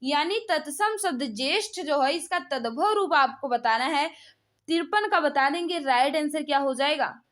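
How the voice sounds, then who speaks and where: High-pitched woman teaching a quiz. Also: lively intonation, a bit bright. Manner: brisk prompting, repetitive set phrases. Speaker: online exam-prep teacher running a live quiz class. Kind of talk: live quiz lesson, reading questions and confirming answers.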